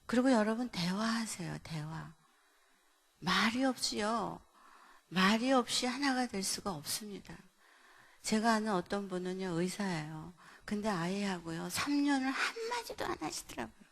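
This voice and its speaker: Woman, middle-aged, pastor, sermon, gravelly voice, acts out dialogue, church hall. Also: medium pitch, moderate pace. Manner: animated storyteller, acts out dialogue with big swings in loudness. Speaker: pastor and seminar speaker. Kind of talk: sermon with storytelling. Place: church hall at an evening revival meeting.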